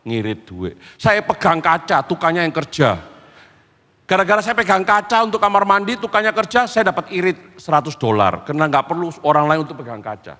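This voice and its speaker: A middle-aged Indonesian man from Surabaya preaching a sermon, telling family stories with lively, acted-out dialogue. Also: on the high side, a little fast. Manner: animated storytelling, acting out family dialogue. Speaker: pastor. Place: large church hall. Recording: long hall reverb.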